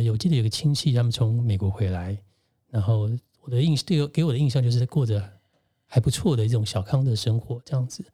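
Reflective man, mellow tone. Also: medium pitch. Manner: reflective, gentle, recounts childhood memories. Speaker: guest and co-host, facilitator. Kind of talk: casual personal storytelling.

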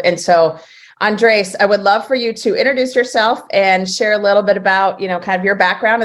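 This is a woman of middle pitch co-hosting a podcast in a loose, chatty way. She fills her sentences with ums and little laughs. Her tone stays friendly and informal. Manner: chatty, many fillers and laughs. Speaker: podcast co-host. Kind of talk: casual podcast chat.

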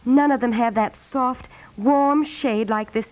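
A woman plays a fussy but sweet housewife in a vintage radio comedy. Her voice is high, and she presses her point with gentle insistence. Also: unhurried, close to an everyday voice, poor audio. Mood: insistent. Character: particular, sweetly insistent middle-aged housewife. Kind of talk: 1950s radio comedy acting. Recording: vintage 1950s radio recording.

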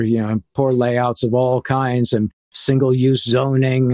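A man's voice: medium pitch, darkish tone, no echo. Guy, middle-aged, explaining city planning stuff earnestly, dry close sound. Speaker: interview guest, urban planning author. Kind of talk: conversational interview.

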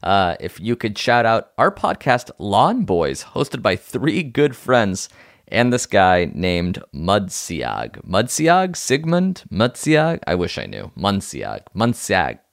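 A man's voice: lowish voice, wildly swooping pitch, slow pace, vocal fry, dry recording, clean studio sound. A man co-hosting a comedy podcast in casual, joking banter, often slipping into acted-out imaginary dialogue. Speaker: podcast co-host.

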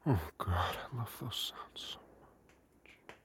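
A man whispering a slow, coaxing intimate audio roleplay in a soft, breathy voice. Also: fairly low pitch.

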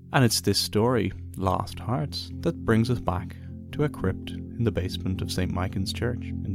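A man hosting a podcast, reading scripted documentary narration in a measured storytelling way. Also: lowish voice, vocal fry, no room sound.

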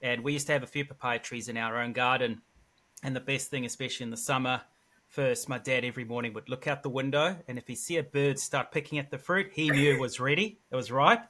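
A man's voice: mid-range voice, steady tone, quick pace, bright, forceful tone. South African man hosting, effusive and encouraging. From South Africa, east coast. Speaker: interview host. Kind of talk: conversational interviewing.

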